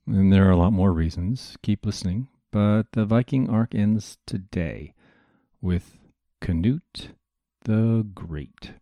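A man's voice: fairly low pitch, measured pace, warm tone, dry recording, dull audio. A man hosting a history podcast, narrating from a script in a chatty, digressive lecturing manner with asides to listeners.

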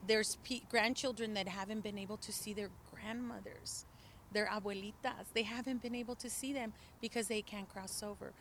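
A middle-aged woman whose first language is Spanish speaks with earnest emphasis, pressing her points with occasional restarts. She is recorded outdoors, with faint ambient noise behind her voice, and her pitch sits in a middle range. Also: steady tone, normal speed, fairly bright tone. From El Paso, Texas border region. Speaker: interview guest. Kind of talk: impassioned political testimony. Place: outdoors near the border.

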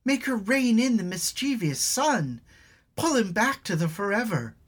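A man's voice: sing-song, unhurried, slightly rough, full character voice. A man doing a desperate young tribal woman. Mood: pleading. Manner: pleading, rising to shrill cries.

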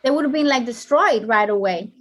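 Colombian lady guest, kinda high voice, chatty storyteller, lots of "like". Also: brisk, slightly rough. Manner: animated storyteller, acts out phone calls, frequent "like". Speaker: business owner guest. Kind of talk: casual interview storytelling.

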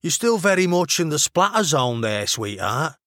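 A man's voice: a little high, sing-song, moderate pace, a bit bright, dry recording, clean studio sound, voice pushed up. A man voicing a laid-back, sardonic bloke with a Mancunian accent, over-enunciated vowels and a blunt, half-hearted manner in an audiobook. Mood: blunt, dismissive.

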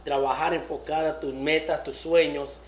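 A woman's voice: sits low, fairly even intonation, normal speed. A woman born in the United States hosting a casual interview, often repeating words and laughing easily. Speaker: podcast host. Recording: echoey room with faint noise.

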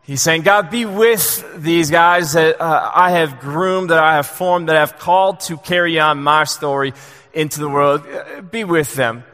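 A young adult man preaching a sermon in a church, earnest and halting, with many fillers and restarts. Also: a little high, bright, forceful tone. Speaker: pastor. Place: church sanctuary. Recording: long hall reverb.

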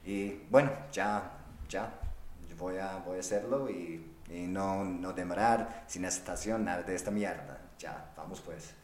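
A man whose native language is English, with a foreign accent, speaking off the cuff as a podcast host and haltingly searching for words. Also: low voice, a little mellow, a little hiss or hum. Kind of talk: unscripted solo podcast talk. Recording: roomy, echoing sound.

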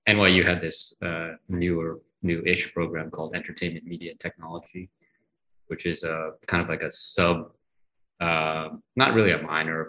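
A man in his thirties from Massachusetts, a guest answering thoughtfully with many pauses and fillers. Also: low-pitched, sharp tone, rough recording. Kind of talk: conversational interview.

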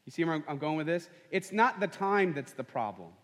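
A man's voice: fairly high pitch, very animated, fairly quick. A man preaching a sermon as pastor, conversational and full of rhetorical questions. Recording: long hall reverb.

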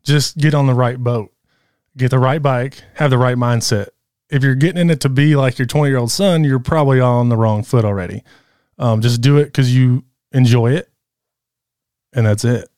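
A man in his thirties, a guest in a casual interview, talking in a relaxed, candid way. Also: medium pitch, normal speed, smooth, dry recording, studio quality. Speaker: guest rider.

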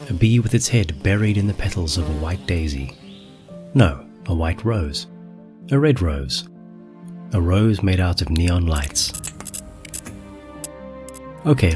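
A man narrating a scripted guided visualization, speaking directly to the listener in an instructive way. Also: low-pitched. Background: music.

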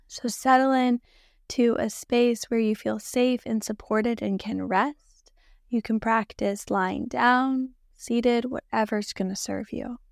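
A woman with a hoarse, worn-down voice, hosting a podcast and gently guiding a yoga nidra meditation with soft, slow instructions and long pauses. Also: on the high side, steady tone, dry recording, clean studio sound. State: hoarse, losing her voice. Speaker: podcast host and meditation guide.

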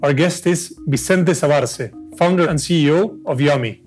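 A man co-hosting a podcast, asking the guest questions in a friendly, relaxed way. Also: fairly high pitch, moderate pace, faint music behind. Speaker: podcast co-host. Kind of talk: interview questions.

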